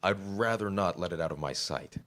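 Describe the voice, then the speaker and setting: A man's voice: low-pitched, animated, brisk, a bit bright. A man playing an earnest, easily flustered aspiring screenwriter in a staged comedy reading. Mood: earnest, nervous. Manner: hesitant, stammering, indignant when crossed.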